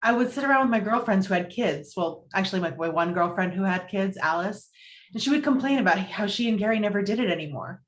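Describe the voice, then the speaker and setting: An actress voices a newly single city woman in a romantic comedy. She is earnest and particular, speaking at an ordinary female pitch in an everyday, conversational read. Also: lively intonation, fast talker, natural voice. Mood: earnest, confessional. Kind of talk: table read of romantic comedy film script. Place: indoors, virtual video-call table read.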